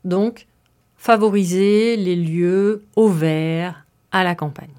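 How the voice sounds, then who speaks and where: A woman's voice: fairly low pitch, fairly even intonation, takes it slowly, darkish tone. Woman podcast host with a chatty, easygoing delivery, talking straight to her listeners with frequent asides. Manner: chatty, explains with fillers and asides. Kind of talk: casual explanatory podcast monologue.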